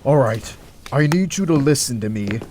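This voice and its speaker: An earnest hospital doctor, played by a man in an audio drama, with a middling pitch. He sounds principled and articulate, patient but a little worn by his workload. The recording has slight noise. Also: expressive, normal speed, a little mellow, natural voice. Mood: patient, pleading.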